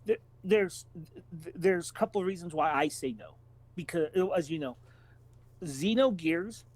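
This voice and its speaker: Guy w a pretty high voice on a podcast, analytical, explains his takes in stop-start bits. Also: lively intonation, measured pace. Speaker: podcast co-host. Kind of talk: casual, opinionated discussion.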